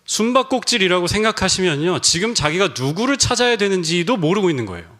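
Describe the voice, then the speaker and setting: Middle-aged male pastor, slightly high voice, lively storytelling sermon. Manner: storytelling, acts out quoted voices. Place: church sanctuary.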